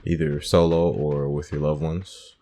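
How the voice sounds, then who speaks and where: A man's voice: rumbling low, flat delivery, a little slow, mellow, slight background noise. A man giving casual gameplay commentary as host of a playthrough, hesitant and thinking aloud. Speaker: gamer hosting a playthrough.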